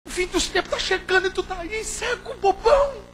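A hoarse male pastor preaching a sermon, moving from quiet, intimate talk to fervent shouting. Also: very high-pitched, fairly quick, slight background noise.

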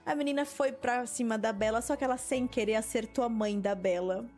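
A young woman with a Brazilian Portuguese accent, telling a story in casual chat as a gaming video host, animated and quick to act out what people said. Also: on the high side, soft background music. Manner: animated, laughing storyteller who acts out quotes. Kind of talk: casual storytelling while playing a game.

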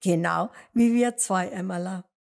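A woman voicing an excitable, cheerful young male hare in a storybook tale, exclaiming with enthusiasm. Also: on the low side, measured pace, creaky. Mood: delighted.

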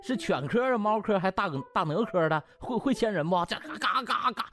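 A man's voice: high-pitched, animated, normal speed, a bit bright, voice pushed up. A man voicing a cocky, insolent young male doctor in an audiobook, flippant and taunting. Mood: mocking.

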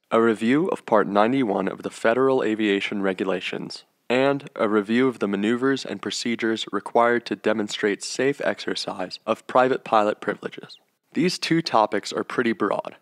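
A man's voice: medium pitch, no echo, clean studio sound. A man who works as a flight instructor, narrating a slide lesson in a matter-of-fact way with offhand jokes. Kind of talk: scripted narration over slides.

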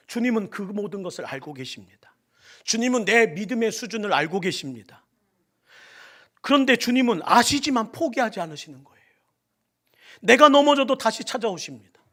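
Dramatic Korean pastor preaching with big swings. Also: male voice, high-pitched. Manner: swings from soft whispers to loud shouted preaching. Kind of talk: sermon. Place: church sanctuary.

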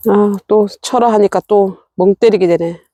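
In a lo-fi recording without room sound, a middle-aged woman with a mellow mid-range voice chats casually to her succulents in a vlog from her rural home. She scolds herself as she tends them, speaking at normal speed with fairly even intonation.

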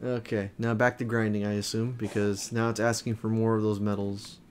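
A man streaming a video game live, chatting and reacting out loud as he plays. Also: on the low side, little pitch movement, fairly quick, slight background noise. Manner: chatty, reacting aloud with frequent laughs. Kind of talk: live gameplay commentary. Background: game music.

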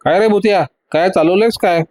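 Man doing a calm, teasing hero. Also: high voice, fairly quick, pitched above the performer's own voice, lightly acted. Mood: cool. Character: calm confident male hero, teasing his foes.

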